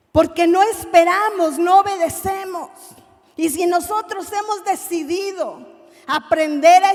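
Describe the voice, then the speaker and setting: Woman preacher, Mexican Spanish accent, very high voice, slow and impassioned, hushed then loud. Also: big-room sound. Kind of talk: sermon.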